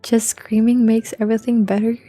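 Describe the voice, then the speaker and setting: A woman livestreamer with a soft, quiet voice, chatting informally and playfully with viewers and swearing now and then. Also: level tone, brisk. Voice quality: soft, low-volume voice, unlike their usual loud one. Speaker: live streamer. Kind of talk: casual livestream chat with viewers. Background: faint music.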